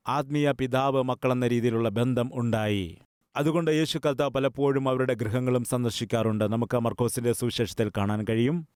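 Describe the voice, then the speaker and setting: A man's voice: mid-range voice, darkish tone, clear, resonant tone, no echo, studio quality. A man with a Malayali accent preaching a sermon as a pastor, asking his listeners questions, answering them himself, and speaking straight to them.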